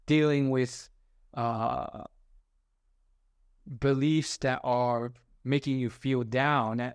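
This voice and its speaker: A man's voice: mid-range voice, clean tone, no echo, studio quality. A young man hosting a self-help video, talking through his advice in a rambling, casual way with many fillers and restarts. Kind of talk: casual motivational monologue.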